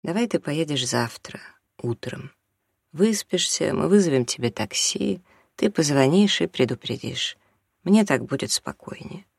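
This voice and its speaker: Reader doing a quiet, hurt husband. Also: unhurried, gravelly, husky, no echo, studio quality, exaggerated voice. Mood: calming. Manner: soft, low, restrained, calming. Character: quiet patient middle-aged husband and father.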